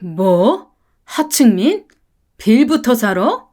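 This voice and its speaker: A woman voicing an angry, hot-tempered working-class husband who shouts and confronts. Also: fairly high pitch, big pitch swings, slow pace, heavily acted. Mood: outraged.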